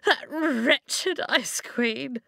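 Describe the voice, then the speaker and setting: Woman putting on a whiny theatrical rock giant, high and loud, over the top. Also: very animated, a little slow, no room sound, clean studio sound, heavily acted. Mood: wailing. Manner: melodramatic, wailing and theatrical. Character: dramatic small stone man who grows into a giant.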